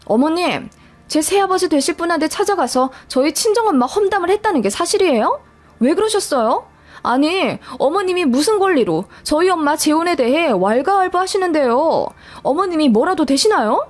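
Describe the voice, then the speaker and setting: A woman voicing her own younger self as an indignant young wife, sharp and raised above her narrating voice. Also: sits high, sing-song, normal speed. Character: indignant young married woman confronting her mother-in-law.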